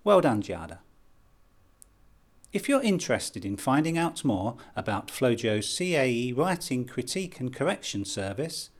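A man hosts a podcast, his pitch rising and falling in a lively way. He speaks clearly and deliberately, spelling things out with care as he interviews his guest. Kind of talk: scripted intro, then interview questions.

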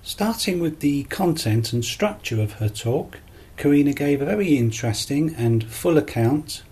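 A male podcast host and English teacher with a husky, slightly breathy voice. He reads out calm, explanatory feedback in a scripted teaching style. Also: mid-range voice.

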